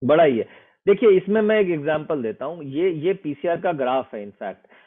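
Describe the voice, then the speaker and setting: A man explains a trading method in an interview. He is earnest and persuasive, and he slips English phrases into his talk. His voice sits fairly high and comes through a thin, phone-like line. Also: lively intonation, normal speed. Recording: tinny phone-like sound.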